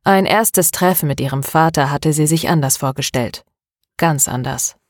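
A woman narrating an audiobook novel in a steady, measured reading. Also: deep voice, no room sound, clean studio sound. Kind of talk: scripted narration.

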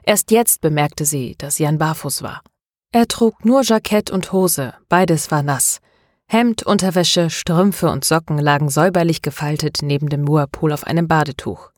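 A woman narrating an audiobook novel in a steady, measured reading. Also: deep voice, no room sound, studio quality. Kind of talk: scripted narration.

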